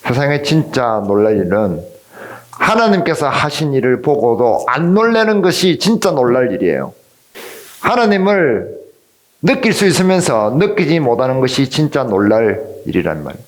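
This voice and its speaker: A male pastor preaching in church with a lively pitch that rises and falls freely. His tone is conversational, and he keeps turning to the congregation with questions. His voice sits at a medium pitch. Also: moderate pace. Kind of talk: sermon.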